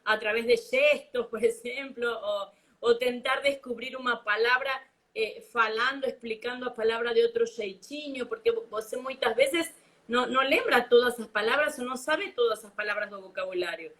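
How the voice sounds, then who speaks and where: A woman's voice: a little high, normal speed, a bit bright. A woman from Buenos Aires with a strong Argentine accent, a Spanish teacher chatting in a live stream, mixing Spanish into her Portuguese with lots of fillers and laughter. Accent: Argentine, speaking Portuguese mixed with Spanish. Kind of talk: casual live chat.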